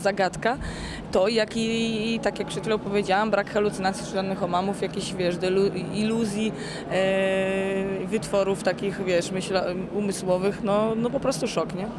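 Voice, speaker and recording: A sleep-deprived woman athlete giving a casual interview, halting and searching for words. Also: medium pitch, very noisy. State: sleep-deprived after three days awake. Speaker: endurance swimmer being interviewed. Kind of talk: casual post-challenge interview.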